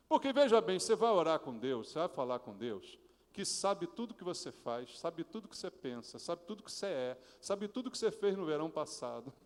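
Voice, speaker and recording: A male pastor from Brazil preaching a sermon, asking the congregation questions and acting out prayers in a hushed, pleading voice. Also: sits high. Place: church sanctuary. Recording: reverberant church hall.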